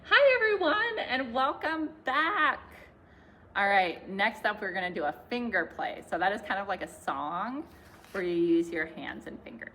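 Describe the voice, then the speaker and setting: A woman's voice: lowish voice, moderate pace, a bit bright. A young woman, a children's librarian, leading a class video with book picks, clapping games and finger-play songs in a cheerful sing-song way.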